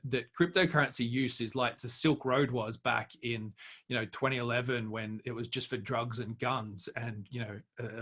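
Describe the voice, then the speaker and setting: A man's voice: medium pitch, a bit bright. Emphatic man giving expert opinion. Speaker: guest crypto expert. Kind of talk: opinionated interview commentary.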